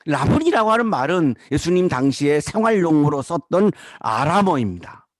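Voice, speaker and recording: Male preacher, expressive high voice, dry close recording, deliberate rhetorical sermon delivery. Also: dry recording. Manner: slow, repetitive rhetorical questions, quoting scripture. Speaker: pastor. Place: university chapel.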